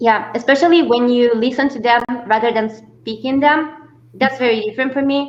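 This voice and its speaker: Speaking at a moderate pace, a woman with a fairly high pitch shows ordinary pitch variation. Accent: Italian. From Italy. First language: Italian. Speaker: booktuber guest. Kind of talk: casual group discussion.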